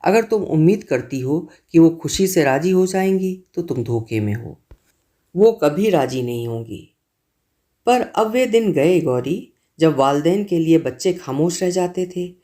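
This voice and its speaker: A man voicing an earnest young man in a storybook reading who gently coaxes and persuades. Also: fairly high pitch, lively intonation, a little slow.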